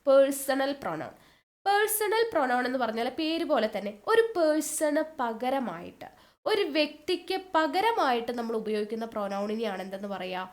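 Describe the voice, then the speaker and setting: High-voiced woman teaching grammar. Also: expressive. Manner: asks questions then answers them, repeats terms slowly. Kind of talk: exam-prep grammar lesson.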